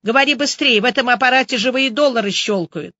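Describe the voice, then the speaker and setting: Woman doing a brisk friendly cop. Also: fairly high pitch, bright, forceful tone, no room sound, dull audio, pitched above the performer's own voice. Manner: brisk, bossy instructions. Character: brisk friendly male police officer.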